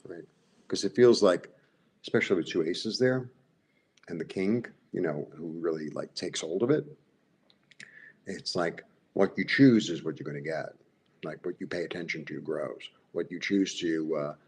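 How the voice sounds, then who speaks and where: A man's voice: low-pitched, a little mellow, husky. A man with a Brooklyn Jewish accent giving a live tarot reading, rambling, repeating himself and asking the viewers "right?". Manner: talks to viewers directly, asks "right?". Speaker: tarot reader.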